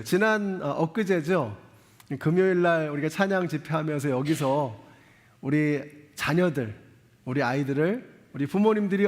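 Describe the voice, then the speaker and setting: A male pastor preaching a sermon, talking straight to his congregation with frequent questions and earnest appeals. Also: on the high side. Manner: earnest, exhorting. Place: church sanctuary. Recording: long church reverb.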